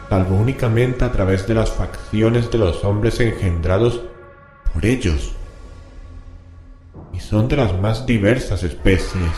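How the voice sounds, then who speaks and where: A man acts out a grave scholar in a horror radio play, in a very dark, echoing voice over music. He intones forbidden scripture slowly, with solemn dread and an ominous, incantatory weight. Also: fairly low pitch. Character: grave, horrified scholar reading forbidden occult scripture aloud. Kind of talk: horror radio drama acting. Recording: reverberant voice with music bed.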